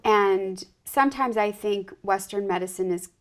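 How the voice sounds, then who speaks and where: A woman's voice: mid-range voice, normal speed. A woman hosting an interview, speaking earnestly and agreeing with emphasis. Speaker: host. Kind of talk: conversational interview.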